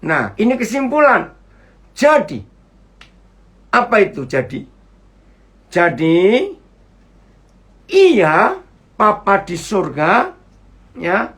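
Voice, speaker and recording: A man's voice: high voice, huge pitch swings, extremely slow, pauses often, a bit bright. A man preaching a sermon over a video call, chatty, asking his listeners questions and greeting viewers as they join. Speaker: pastor. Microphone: computer mic on a video call.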